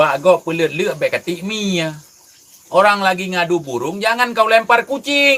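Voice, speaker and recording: Over noticeable background noise, a man with a high pitch speaks in a raised, projected voice at a moderate pace with lively intonation. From Aceh, Indonesia. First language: Acehnese (speaking Indonesian). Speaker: content creator. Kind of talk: warning message. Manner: casual.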